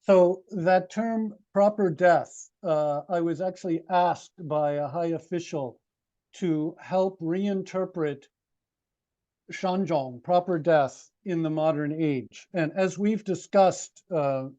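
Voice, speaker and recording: A man asking a long, thoughtful question at a seminar, halting often with ums and uhs. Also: fairly high pitch, mellow. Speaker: audience member asking a question. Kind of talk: hesitant spoken question at a seminar. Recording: dull lo-fi room recording.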